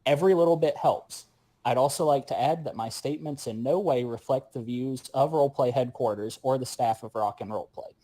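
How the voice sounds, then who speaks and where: A man with a soft, dark-toned voice in a middle register delivers a prepared announcement. His wording is formal and measured, as a member of a show's cast addressing listeners. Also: mid-range voice, poor audio.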